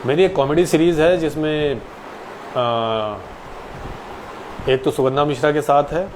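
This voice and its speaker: A man's voice: fairly high pitch, measured pace, a little mellow, slight background noise, rough recording. A man in his late twenties, an actor, answering viewers' questions casually and politely on a live stream. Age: 20s.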